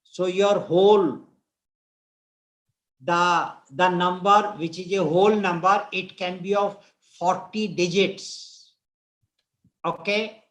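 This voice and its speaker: High-pitched North Indian man teaching. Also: steady tone, a bit bright, rough recording. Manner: deliberate, repeats phrases. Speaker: instructor. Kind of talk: live online statistics lecture.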